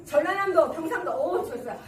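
A woman's voice: very high voice, animated, fast talker, recorded from a distance. A woman from Seoul leading seniors through a group exercise class, coaxing them along, counting beats aloud and laughing often. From Seoul, South Korea. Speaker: senior recreation instructor. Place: large room with a group of seniors. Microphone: no microphone, recorded from across the room. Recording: echoey room, voice from afar, loud crowd and noise.

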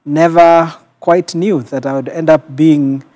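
A middle-aged man with a Kenyan accent and a voice a little higher than average. He is a pastor telling his own story in a television studio interview, reflective and measured, pausing as he goes. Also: fairly even intonation, darkish tone, dry recording. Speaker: guest, senior pastor. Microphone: lapel mic.

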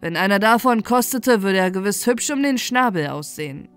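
A woman's voice: medium pitch, expressive, moderate pace, clear, resonant tone, faint music behind, lightly acted. A woman voicing a cheerful, curious young king's son in a bedtime fairy tale, exclaiming in wonder.

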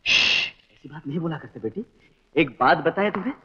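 A man's voice: fairly high pitch, expressive, normal speed, background noise, lightly acted. An actor playing a stern, proud father in a 1960s Hindi film, speaking curtly and with command. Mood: tender. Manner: curt, commanding. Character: stern proud widowed father, short-tempered. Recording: dull old film soundtrack.

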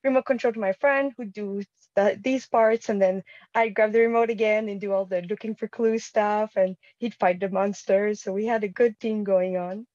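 A woman in her thirties, a guest on a video-call talk show, slightly croaky from a cold, speaking earnestly with frequent ums. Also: medium pitch, steady tone, moderate pace, darkish tone, no room sound. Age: 30s. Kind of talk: casual interview chat. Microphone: webcam mic on video call. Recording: dull lo-fi call audio.

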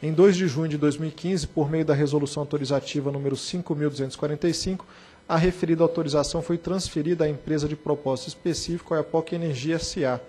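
Brazilian regulator reading a case report, measured, a touch husky, fairly high pitch. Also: male voice, steady tone, dark tone. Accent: Brazilian Portuguese. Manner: measured and formal, with short spoken asides. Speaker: reporting director at a regulatory board.

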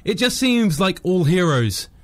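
A man's voice: sits high, big pitch swings, measured pace, dry recording. A young man hosting afternoon music radio with upbeat DJ links, speaking close to a studio microphone. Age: young adult. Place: small padded radio studio. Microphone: close studio microphone on boom arm. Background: music bed.

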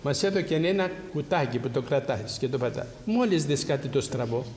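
A priest gives a spiritual talk to his congregation, preaching with rhetorical questions. His medium-pitched voice is expressive and a little mellow, and the roomy hall carries a long echo.

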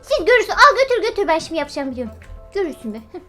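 A woman's voice: very high voice, sing-song, racing, over loud music. A woman giving playful, chatty commentary on her gameplay as a YouTuber, joking at other players. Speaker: gaming YouTuber.

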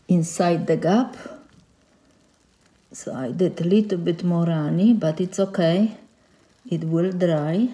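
A woman's voice: lowish voice, dark tone. A woman with a Polish accent, a non-native English speaker, chatting casually while she repairs and paints in a small tiled laundry room, filmed on a phone. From Poland. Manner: slow, plain, non-native English with dropped words. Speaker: DIY vlogger. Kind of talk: casual home-renovation commentary.

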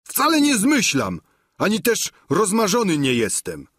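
An excitable peasant squire, as an audiobook reader puts him on, his voice pushed up high and bursting with eager boasts. The tone is breathy and husky, bouncing between highs and lows, close and dry with no room around it. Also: measured pace, no room sound, exaggerated voice. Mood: eager boasting. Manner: high, eager, emphatic telling.

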